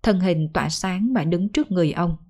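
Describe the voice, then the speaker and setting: A woman storyteller narrating a folk ghost story in a measured, even way. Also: on the low side.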